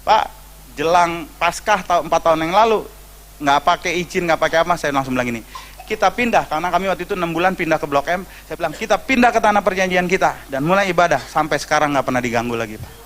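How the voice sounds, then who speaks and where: Animated Indonesian pastor preaching. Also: male voice, on the high side, quick pace, slight background noise. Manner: storytelling, acting out quoted voices, joking asides. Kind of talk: sermon.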